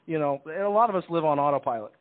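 A man's voice: a little high, animated, racing. A man explaining things in a casual radio interview, talkative, often repeating words and restarting his sentences. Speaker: stage hypnotist, interview guest. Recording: tinny phone-like line.

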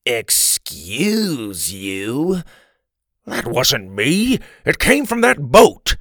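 A man voicing a genial, confident older grandfather who explains things in a measured way. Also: fairly high pitch, wildly swooping pitch, fairly bright tone, no echo, studio quality, pitched above the performer's own voice, exaggerated voice. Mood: indignant.

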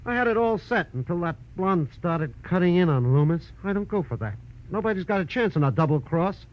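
An American actor playing a shifty, whining little paroled crook, talking in gangster slang in 1940s radio style. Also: male voice, sits high, lively intonation, brisk. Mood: whining, defensive. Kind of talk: 1940s radio crime acting. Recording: dull old radio recording.

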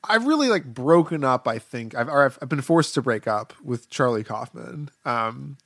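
A man's voice: medium pitch, lively intonation, normal speed, vocal fry, fairly bright tone, no echo. Man casually talking film, dry close sound. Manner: conversational, hedging with frequent "like". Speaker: podcast co-host discussing films.

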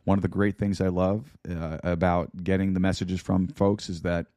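A man hosting a sermon podcast, hoarse and raspy from losing his voice, talking to listeners in a folksy way with many fillers. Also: low-pitched, little pitch movement, moderate pace, dark tone, no echo. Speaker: podcast host and Bible teacher. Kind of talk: casual sermon-podcast talk.

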